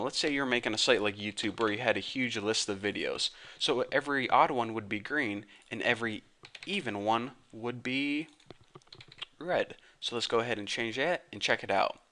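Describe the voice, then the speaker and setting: A man's voice: medium pitch, sharp tone. A man hosting a web coding tutorial, explaining in a casual, slangy, joking way. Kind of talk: casual screen-recorded tutorial.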